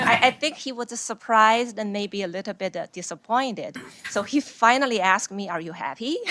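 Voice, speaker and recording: A woman with a Chinese accent speaks at a fairly quick pace in a bright, sharp, fairly high voice. Her intonation is lively, and her loudness swings widely. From China. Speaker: lawyer, panel presenter. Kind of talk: presentation to an audience.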